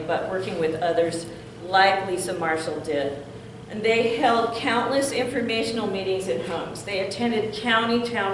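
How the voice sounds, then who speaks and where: An older woman, a grandmother, welcoming people to a community meeting in an outgoing, chatty way, laughing now and then. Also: medium pitch. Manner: warm-voiced, outgoing, laughs often. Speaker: community organizer giving welcome. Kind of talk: public meeting remarks. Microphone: room mic at a distance. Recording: echoey room from far off, noisy.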